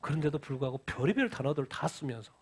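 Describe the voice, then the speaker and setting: Male pastor, sermon, fairly high voice, asks questions and answers them, heated acted-out quotes. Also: lively intonation, fast, slightly rough. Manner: acts out quoted lines in a loud heated voice.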